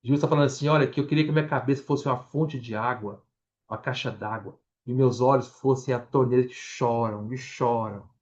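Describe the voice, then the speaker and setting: Preaching to his congregation and addressing them directly, this Brazilian man reads the Bible aloud one verse at a time, restarting words and explaining along the way in his Brazilian Portuguese accent. He speaks fairly quickly at a medium pitch with fairly even intonation and a slightly mellow tone, and the highs are cut off.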